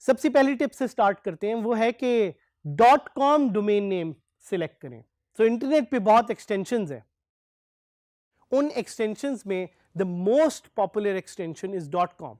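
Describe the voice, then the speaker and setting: A man giving a recorded online lecture, switching between Urdu and English and slowing down to stress key terms. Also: sits high, lively intonation, a little mellow, dry recording, clean studio sound. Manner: mixes English phrases into Urdu explanations. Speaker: course instructor.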